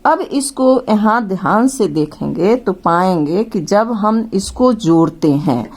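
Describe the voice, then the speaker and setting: A woman's voice: medium pitch, expressive, takes it slowly, a little mellow. A woman teaching grammar to children, patiently explaining and drawing out each vowel sound as she names it. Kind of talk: slow classroom explanation to children.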